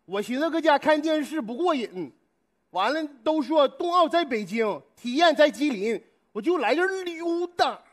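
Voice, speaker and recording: A man's voice: extremely high pitch, lively intonation, normal speed. A man with a Northeastern Mandarin accent playing an easygoing visitor in a stage comedy sketch. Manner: easygoing, plain-spoken banter.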